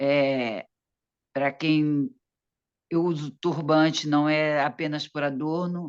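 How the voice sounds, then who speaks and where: Very slow, very deep, low-pitched speech from a woman. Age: 60s. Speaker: astrology student. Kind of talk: testimony.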